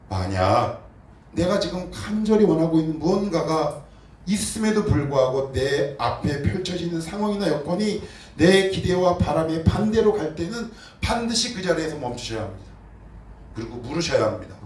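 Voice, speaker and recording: A male pastor delivers a sermon with a lively voice that climbs high when he acts out prayers and questions. His voice carries through a roomy church sanctuary, picked up by a mic set some way off. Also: recorded from a distance, slight background noise. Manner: animated preaching, acting out prayers and questions in a raised voice.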